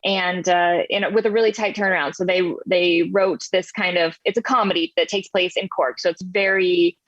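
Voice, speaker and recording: A woman's voice: lowish voice, steady tone, moderate pace, dry recording. An American woman chatting casually as an interview guest, telling stories in a self-amused way, on slightly lo-fi audio. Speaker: podcast guest, voice actress.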